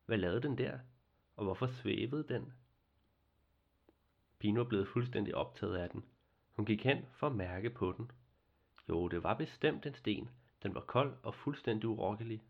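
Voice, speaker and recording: A man narrating a fairy tale in a calm, measured reading voice as host of a story series. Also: lowish voice, vocal fry, dull audio.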